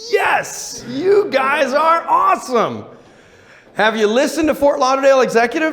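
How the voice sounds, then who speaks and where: With audible room echo and noticeable background noise, a man talks at a moderate pace in an extremely high pitch, using lively intonation. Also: very even loudness. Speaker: flight instructor. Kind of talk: lecture.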